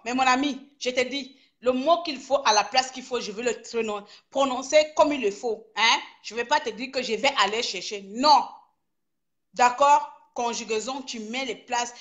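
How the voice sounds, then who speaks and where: High-voiced woman in a scolding live rant. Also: pushed and bright. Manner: confrontational, scolding, mixes in broken English. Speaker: online activist. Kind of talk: live social media rant.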